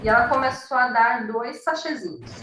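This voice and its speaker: A woman hosting a live chat, warmly affirming her guest with frequent fillers and translating testimonies. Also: a little high, sing-song, normal speed, echoey room, recorded from a distance, a little hiss or hum, poor audio. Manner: encouraging, lots of affirming fillers. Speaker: host.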